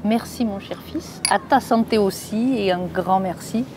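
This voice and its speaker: A middle-aged woman, chatting casually and lively with her son, easily impressed. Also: medium pitch, unhurried, noisy background. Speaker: vlogger's mother. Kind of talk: casual chat.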